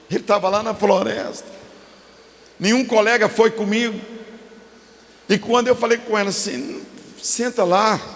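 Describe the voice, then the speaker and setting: An older man from Brazil with a Minas Gerais accent, a pastor telling a story in a sermon, animated and acting out voices. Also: sits high. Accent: Minas Gerais Portuguese. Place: large church hall. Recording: long hall reverb.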